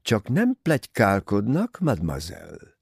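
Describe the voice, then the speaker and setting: A man voicing a small, courteous Belgian detective in an audiobook, measured, polite and probing. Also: lowish voice, huge pitch swings, gravelly, a little mellow, husky, no room sound, studio quality, voice pushed up, full character voice. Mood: polite, grave.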